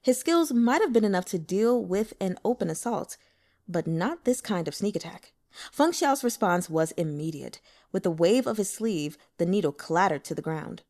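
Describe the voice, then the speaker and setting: A woman reading scripted fiction aloud as an expressive audiobook narrator. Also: mid-range voice, normal speed.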